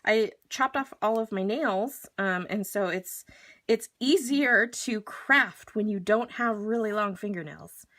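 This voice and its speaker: A woman's voice: mid-range voice, measured pace, fairly bright tone. A woman hosting a live card-making demonstration, chatty and gushing as she talks viewers through each step while working with her hands.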